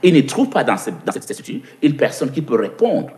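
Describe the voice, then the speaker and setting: With a warm, medium-pitched voice that is very animated and fairly quick, a Cameroonian interview guest gives lengthy answers in an English-speaking Cameroonian accent. He repeats words as he gropes for them and puts questions to himself before he answers.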